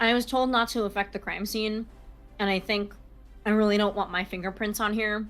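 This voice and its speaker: A woman's fairly high, monotone voice at a fairly quick pace, with music in the background. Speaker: roleplaying game player. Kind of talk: tabletop roleplay chat.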